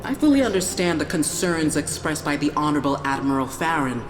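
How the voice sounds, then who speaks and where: A low, measured voice carries this resolute female Prime Minister through formal parliamentary speech. The science fiction audio drama sets her in an echoing hall over clear music. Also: lively intonation. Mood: diplomatic. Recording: echoey hall, music behind.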